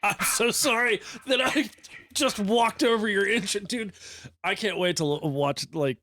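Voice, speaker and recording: A man chatting as a podcast guest, excitable and rambling, with stumbling restarts and casual swearing. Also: high voice, measured pace. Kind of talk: casual chat.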